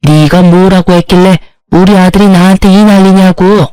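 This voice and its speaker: A woman's voice: on the low side, fairly even intonation, moderate pace, warm tone, smooth, no echo, lightly acted. A woman voicing a harsh older mother-in-law who berates and insults her daughter-in-law in an audio story. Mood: scolding.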